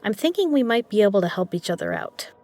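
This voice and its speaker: Casting: actress for a shrewd underground casino boss and poker legend, medium-pitched, measured and persuasive, for an audio drama. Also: female voice, sing-song, warm tone, dry recording, lightly acted. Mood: resolute, persuasive. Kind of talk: scripted audio drama dialogue.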